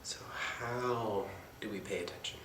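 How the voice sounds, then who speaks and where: A man giving a meditation talk in a soft-spoken, reflective manner, with casual asides. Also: on the low side, a little slow, background noise. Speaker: meditation teacher. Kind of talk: dharma talk. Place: meditation center hall. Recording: echoey meditation hall with faint ambience.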